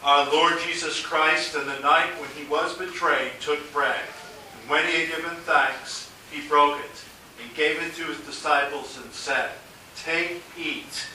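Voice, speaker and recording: A man serving as pastor, reciting a solemn liturgical prayer at a measured pace in a large church with a cathedral echo. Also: fairly high pitch, steady tone, bright, forceful tone. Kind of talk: liturgical prayer and words of institution. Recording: cathedral echo, distant mic, faint hiss.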